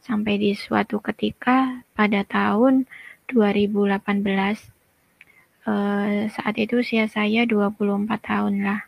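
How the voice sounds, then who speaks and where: A woman's voice: mid-range voice, flat delivery, unhurried, gravelly, no room sound, muffled recording. A woman in her thirties telling her personal testimony in a conversational way, with frequent fillers and direct asides to listeners. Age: 30s. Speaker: testimony guest.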